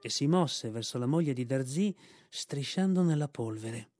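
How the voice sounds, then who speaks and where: A man narrating a storybook in a measured, expressive way. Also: mid-range voice, soft background music. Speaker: reader. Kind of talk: scripted audiobook narration.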